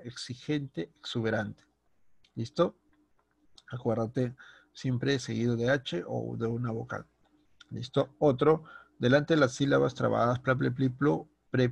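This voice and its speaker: Latin american guy teaching spelling, gravelly and husky voice, checks in with the class a lot. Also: mid-range voice, no echo. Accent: Latin American Spanish. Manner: checks in often with listo and no; lists example words slowly, stressing the sounds. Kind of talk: recorded online spelling lesson.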